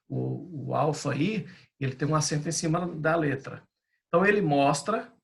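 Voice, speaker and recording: Gravelly-voiced man teaching a Greek lesson. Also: fairly high pitch, a bit bright. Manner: patient, repeats and restates points. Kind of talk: explanatory lesson.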